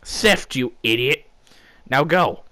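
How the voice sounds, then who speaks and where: A man voicing a brisk, impatient woman working as a police radio dispatcher in a comic story. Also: medium pitch, lively intonation, pushed and bright.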